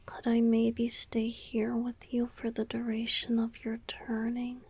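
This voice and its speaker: A woman voicing a lovesick young male vampire boyfriend in a romantic ASMR roleplay, soft, breathy and pleading, close to the mic. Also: a little high, completely flat delivery, measured pace, heavily acted. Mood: anxious, clingy. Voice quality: breathy, husky whisper. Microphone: close ASMR microphone.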